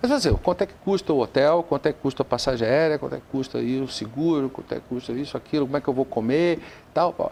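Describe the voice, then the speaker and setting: With hardly any pauses, a man talks at a very fast pace in a fairly high pitch with ordinary pitch variation. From Rio de Janeiro, Brazil. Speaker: travel enthusiast, former consultant. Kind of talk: talk show interview.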